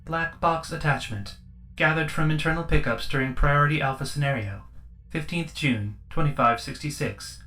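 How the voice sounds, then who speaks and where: Bright, impersonal ship's computer. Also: male voice, on the high side. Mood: neutral, official. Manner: impersonal, measured. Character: impersonal male ship's computer announcing log records. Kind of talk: clipped formal announcement in sci-fi audio drama. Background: faint music.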